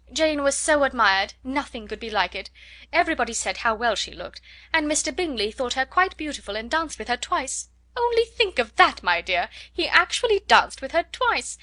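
A woman doing a gushing, shrill society mother. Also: bright, forceful tone. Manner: breathless, effusive, gossiping. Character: gushing excitable middle-aged mother.

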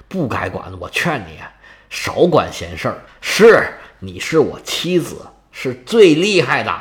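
A man voicing the male king of the gods, speaking low and hushed, guarded and boastful. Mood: scolding.

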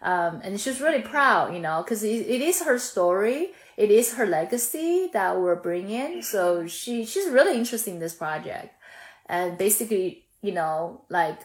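A woman's voice: medium pitch, moderate pace, roomy sound. A woman in her thirties from Chongqing with a Chinese accent, chatting eagerly as a founder in an interview, restarting her sentences and filling gaps often. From Chongqing, China. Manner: lively, frequent fillers and restarts. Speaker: sauce brand founder, guest. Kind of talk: casual interview conversation.

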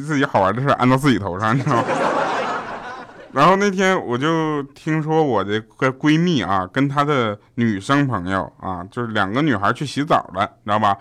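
A man delivers a stand-up comedy monologue as host of an audio show. His voice sits at an ordinary pitch but swings widely as he sets up each joke with a straight face. Then he snaps to the punchline, with a faint hiss under the studio recording. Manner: deadpan setups with quick punchlines, often asking the listener "you know?".

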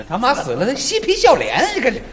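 A man performing a crosstalk comedy routine as the lead teller, talking in a lively storytelling way. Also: extremely high pitch, fast, a crowd in the background. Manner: lively storytelling with mimicked opera wails. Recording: reverberant stage hall.

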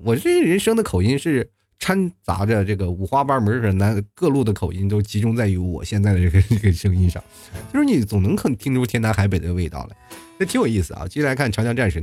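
A male talk show host reads listener messages and riffs on them. His pitch swings up and down as he talks, with a chatty, fast delivery, frequent tag questions and little chuckles. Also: darkish tone, dry recording, clean studio sound.

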